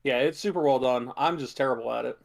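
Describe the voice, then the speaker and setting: A man chatting casually as a podcast co-host, in a halting way full of filler words and hedges. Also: medium pitch, vocal fry. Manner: halting, hedging delivery with many filler words. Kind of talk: casual chat about video game movies.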